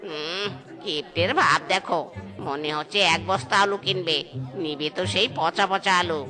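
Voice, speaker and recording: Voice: mid-range voice, normal speed, pushed and bright, faint music behind. An actor voicing a cheeky, sarcastic animal market vendor in a comedy cartoon, calling out and talking back in exasperation. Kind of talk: Bengali comedy cartoon dialogue.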